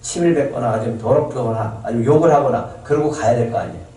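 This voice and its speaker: A man's voice: medium pitch, fast talker, dark tone. A male pastor preaching a sermon in a church, emphatic and full of rhetorical questions to the congregation. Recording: echoey hall from far off.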